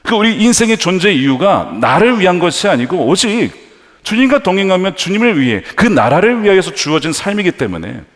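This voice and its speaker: A man's voice: high-pitched, very animated, fairly quick, fairly bright tone. A male pastor preaching a sermon with emphasis, posing questions to the congregation in a large church. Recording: long church-hall reverb.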